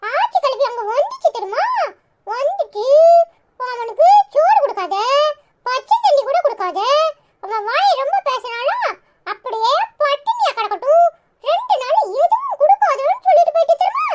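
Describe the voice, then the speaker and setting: A woman's voice: very high voice, sing-song, moderate pace. A woman voicing a chatty, bossy little boy in a cartoon, with a Tirunelveli Tamil accent. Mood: chirpy. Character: chirpy cheeky little boy. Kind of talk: cartoon voice acting. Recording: clear background noise.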